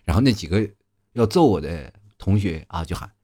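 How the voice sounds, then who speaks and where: A young man from Inner Mongolia, hosting a comedy podcast and telling funny school stories in a chatty, animated way, full of asides to listeners. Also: low-pitched, normal speed, slightly rough, dry recording, clean studio sound. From Inner Mongolia, China. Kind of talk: comic storytelling monologue.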